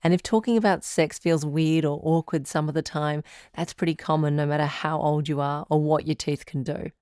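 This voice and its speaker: A woman playing a calm, caring radio advice doctor who hosts a call-in show in a measured, reassuring way. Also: deep voice, clear, resonant tone, no echo, clean studio sound, close to an everyday voice.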